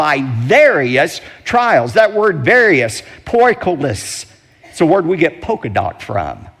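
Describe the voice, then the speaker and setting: Over music in the background, a man with a high voice swings very widely in pitch. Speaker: Baptist pastor and televangelist. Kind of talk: sermon preaching.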